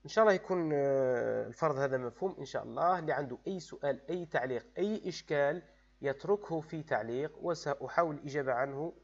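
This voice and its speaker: A man, teaching French grammar and spelling out verb endings letter by letter. His voice sits somewhat high and comes through a dull, lo-fi recording. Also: rapid-fire, vocal fry. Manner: switches between French and Arabic, spelling out letters. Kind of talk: explaining grammar exercises to pupils. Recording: dull, lo-fi sound.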